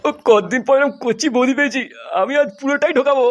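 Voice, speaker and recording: A man's voice: very high-pitched, quick pace, a bit bright, soft background music. A man voicing a lecherous, whining, foul-mouthed old man in a comic cartoon dub. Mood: lustful.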